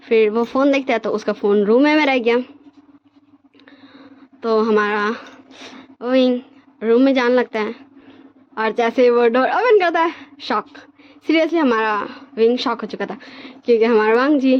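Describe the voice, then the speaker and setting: A woman's voice: fairly high pitch, normal speed, long pauses, lo-fi sound. A woman retelling fan fiction in a casual, chatty way, talking straight to her listeners. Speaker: storyteller.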